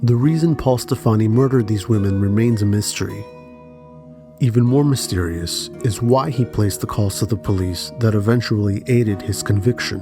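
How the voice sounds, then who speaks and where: True crime narrator, male, lowish voice, measured and serious scripted delivery, music underneath.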